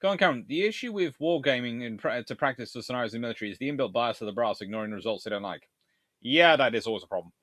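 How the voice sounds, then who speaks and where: Guy doing a live history q&a, kinda rambly, thinking out loud, very dry sound. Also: medium pitch, expressive, very fast, no echo. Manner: rambling, discursive, thinking aloud. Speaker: host, history lecturer. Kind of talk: live stream chat, answering viewer questions.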